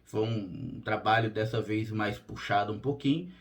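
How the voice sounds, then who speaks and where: A hoarse man hosting his own channel as a spiritual therapist, talking straight to camera in a plain, direct way, often checking in with his listeners. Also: on the low side, moderate pace. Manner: direct and plain-spoken, frequent "tá?" check-ins. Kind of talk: casual monologue to camera.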